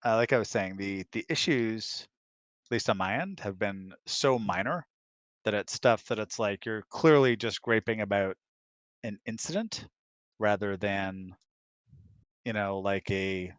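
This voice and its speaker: A man's voice: on the low side, measured pace, dry recording. A middle-aged man chatting casually as a co-host, rambling and acting out imagined remarks as he goes. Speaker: co-host, the husband. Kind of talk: casual chat. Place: close, dry room on an online voice chat.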